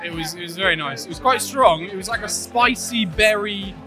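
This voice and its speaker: A man's voice: high voice, a little fast, over music. A man chatting enthusiastically as a podcast guest.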